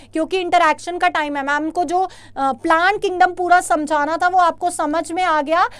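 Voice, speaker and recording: A very high-pitched woman, teaching biology live online. She reads out students' answers, praises them, and switches between Hindi and English terms. The sound is dry and close. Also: dry recording. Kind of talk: live online exam-prep class.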